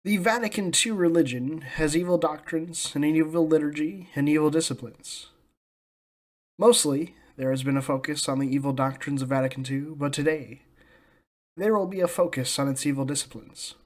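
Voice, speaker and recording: Higher-pitched American man, solemn religious commentary. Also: moderate pace. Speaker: host of a religious commentary channel. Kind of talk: scripted polemical commentary.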